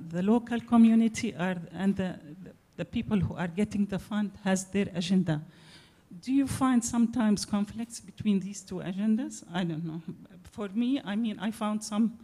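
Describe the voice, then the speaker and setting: Mellow-voiced Palestinian woman asking a question. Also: medium pitch. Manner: hesitant, searching for words. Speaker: audience member asking a question. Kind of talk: conference floor question. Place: conference hall.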